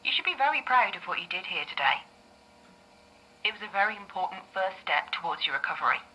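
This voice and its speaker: A woman plays a therapist who answers in a gentle, measured, soothing way. Her voice comes through bright but husky, as if played back from an old tape. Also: mid-range voice, very animated, exaggerated voice. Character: calm, reassuring female therapist. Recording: thin, muffled old tape recording.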